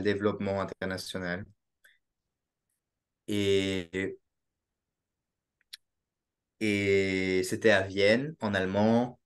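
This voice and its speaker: A young Belgian man with a Belgian French accent, chatting as a podcast guest. He talks in a casual, halting way, with frequent fillers and restarts. His voice comes through a laptop mic in a small room at home. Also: on the low side, a bit bright, smooth. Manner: hesitant, with many restarts and fillers. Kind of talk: casual interview over video call. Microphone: laptop webcam mic on a video call.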